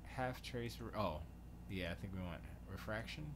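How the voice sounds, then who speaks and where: A man's voice: lowish voice, moderate pace, background noise. A man from Florida hosting a casual livestream, thinking aloud as he tinkers in his home studio, muttering questions to himself and trailing off mid-sentence. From Florida, USA. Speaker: livestream host.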